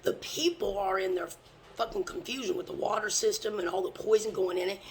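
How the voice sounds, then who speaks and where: Gravelly, intense street preacher. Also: mid-range voice, brisk, slight background noise, low-quality recording. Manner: intense, often drops to a hushed whisper; blunt, with occasional swearing. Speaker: religious teacher. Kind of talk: fervent scripture preaching.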